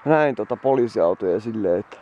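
A man's voice: on the low side, lively intonation, highs cut off, slight background noise. Tired young man rambling while riding. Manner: rambling, chatty, swears often, tired. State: exhausted. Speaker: vlogger on a moped trip. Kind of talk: casual travel vlog to camera.

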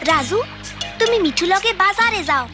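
A woman's voice: very high-pitched, lively intonation, moderate pace. A woman voicing a brave, eager young village girl in a cartoon. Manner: eager, chatty. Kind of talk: cartoon voice acting. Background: loud music.

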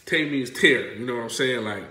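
A man with a Southern Black accent from the South Carolina Lowcountry, touched by Gullah, explaining things casually and colloquially to camera. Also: moderate pace, bright, forceful tone. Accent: Southern Black American, South Carolina Lowcountry with Gullah influence. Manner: informal, folksy, colloquial. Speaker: vlog host. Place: bright room at home, indoors. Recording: roomy, echoing indoor sound.

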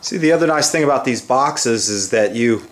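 A man's voice: mid-range voice, animated, moderate pace. A man in his fifties giving a casual, folksy, hands-on woodworking demonstration in a rambling way. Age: 50s. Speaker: woodworking instructor, host. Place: indoor woodworking shop. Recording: echoey workshop with tool and rubbing noise.

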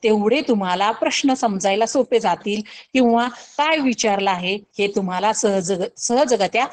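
A woman teacher with a Marathi accent, coaching pupils for a scholarship exam, explaining slowly and asking rhetorical questions. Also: mid-range voice, low-quality recording. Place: recorded online lesson.

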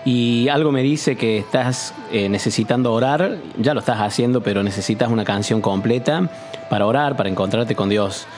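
A man's voice: medium pitch, moderate pace, darkish tone, faint music behind. A man with an Argentine accent hosting a live Christian radio devotional, speaking directly to the listener and encouraging them. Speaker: radio host.

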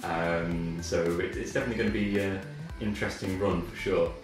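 A young Englishman with a low voice chats casually, pausing often mid-sentence. The room is very echoey, the mic sits at a distance and faint music plays behind him. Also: steady tone. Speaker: interviewee, car owner. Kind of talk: casual chat while playing a video game. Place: living room, indoors.

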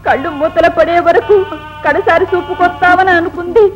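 An actress playing a tender village aunt who consoles orphaned children in a tearful way. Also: female voice, extremely high pitch, fairly even intonation, moderate pace, highs cut off, music in the background. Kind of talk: 1970s Telugu film acting. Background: film score.

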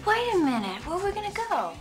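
A woman's voice: very high-pitched, big pitch swings, fast talker, music in the background. An actress playing a coy, hesitant teenage valley girl in a teen film. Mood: coy, curious. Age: young adult. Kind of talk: 1980s teen film acting.

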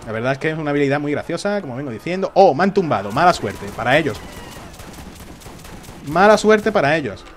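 A man commentates his own gameplay, his voice sitting a little high and swinging up and down in pitch. He jokes as he plays and taunts the enemies on screen. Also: lively intonation, rapid-fire, few pauses, slight background noise. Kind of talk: live gaming commentary.

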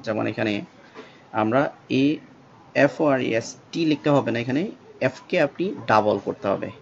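A man whose first language is Bengali, teaching English spelling slowly and spelling words out letter by letter, with many pauses. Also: mid-range voice, creaky. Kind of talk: spelling lesson. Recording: dull lo-fi sound with faint background noise.

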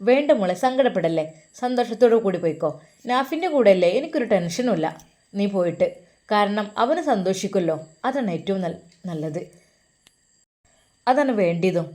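A woman's voice: mid-range voice, expressive, moderate pace, pauses often, a little mellow, natural voice. A woman voicing a loving older Muslim mother who fusses over her children and comforts them. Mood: tender. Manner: doting, coaxing, blessing her children.

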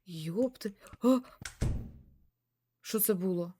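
A woman's voice: fairly low pitch, slow pace, warm tone, a little hiss or hum. A young woman with a Ukrainian accent, streaming a horror game and reacting with swearing and jumpy outbursts. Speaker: let's play streamer. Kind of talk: horror game let's play.

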